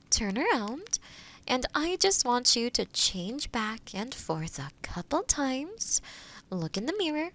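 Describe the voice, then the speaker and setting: A woman playing a kind, gentle forest witch in an audio roleplay, speaking softly and soothingly to the listener. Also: fairly high pitch, gravelly, heavily acted. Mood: patient, reassuring. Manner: soothing, caring, softly breaking into whispers. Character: kind, gentle forest witch who loves helping others.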